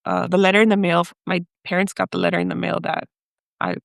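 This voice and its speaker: Here a woman with a fairly low, creaky voice talks fast, captured in a clean studio with no echo. She's a podcast guest recounting her personal story with emotion and hesitation, dropping in Spanish phrases from her upbringing in the United States by Mexican parents.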